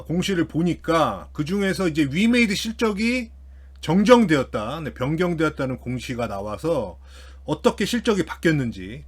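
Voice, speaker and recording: A man's voice: a little high, husky. A man giving casual explanatory financial commentary as an online host, informally thinking aloud as he works through figures. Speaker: YouTube host commenting on company earnings.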